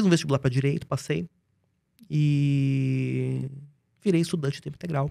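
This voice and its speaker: A man with a Rio Grande do Sul accent speaks at a moderate pace in a fairly high pitch and a dark, mellow tone, with ordinary pitch variation, big swings in loudness and long, frequent pauses. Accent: gaúcho. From Rio Grande do Sul, Brazil (Porto Alegre). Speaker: financial securities analyst. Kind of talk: podcast interview.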